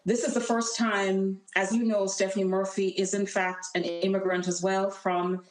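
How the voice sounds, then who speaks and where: A woman's voice: mid-range voice, level tone, normal speed, echoey room, poor audio. A woman with a Jamaican accent, a political candidate speaking earnestly and emphatically as a guest on a remote call. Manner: earnest, emphatic campaign talk. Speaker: congressional candidate. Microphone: call audio.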